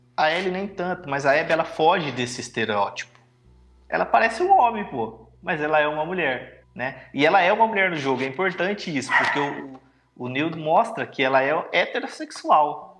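A man's fairly high voice with lively intonation at a moderate pace, music in the background. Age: 30s. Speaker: gamer. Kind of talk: casual chat.

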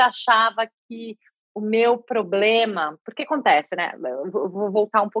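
A woman with a fairly high pitch, lively intonation, and an ordinary speaking voice, in a dry, close sound with no echo. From Brazil. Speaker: finance professional. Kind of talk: interview.

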